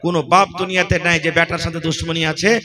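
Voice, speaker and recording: A man's voice: a little high, level tone, fast talker. A male preacher with a regional Bengali accent from Purnia in Bihar, giving a sermon and firing rhetorical questions at his listeners. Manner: fires rhetorical questions at the crowd. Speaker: Islamic preacher. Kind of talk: sermon at a religious gathering.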